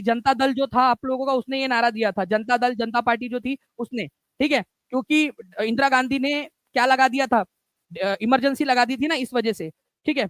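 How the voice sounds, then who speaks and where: A man's voice: very high-pitched, fairly bright tone, dry recording, low-quality recording. A male teacher running a live online exam-prep class, chatty and repetitive, often checking in with students. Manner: chatty, repeats key points with frequent "theek hai" and "friends".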